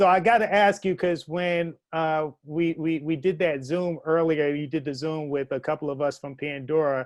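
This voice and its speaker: Speech with fairly even intonation, delivered in a New York accent. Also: man, fairly high pitch for a man, moderate pace, hardly any pauses, quiet background. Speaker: music industry interviewer. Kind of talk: interview.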